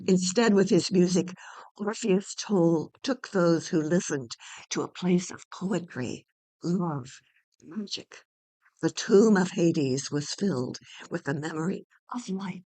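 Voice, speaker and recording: Slow, expressive woman narrating a play. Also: lowish voice. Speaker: narrator and playwright. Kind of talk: dramatic storytelling.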